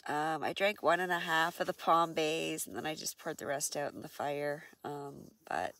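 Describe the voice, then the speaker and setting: Middle-aged woman, stuffed up, low and gravelly, rambling camp vlog into an arm's-length camera outdoors. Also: normal speed, no room sound. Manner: chatty, relaxed, lots of ums and uhs. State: stuffed-up nose. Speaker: solo camping vlogger. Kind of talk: casual vlog narration. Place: outdoors at a lakeside campsite and in a tent.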